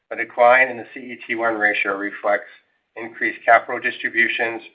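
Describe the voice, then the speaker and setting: Guy on a phone-quality line, lowish voice, reading out formal corporate finance remarks like an exec, measured. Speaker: company executive on an earnings call. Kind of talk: scripted financial presentation. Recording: tinny, narrow phone line.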